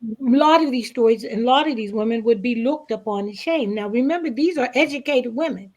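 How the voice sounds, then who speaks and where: A woman with a somewhat high-pitched voice talks as a guest on a panel. She is reflective and deliberate, leaning on key words and leaving pauses between her phrases. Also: a little mellow. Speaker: stage play cast member, guest. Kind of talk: reflective panel interview talk.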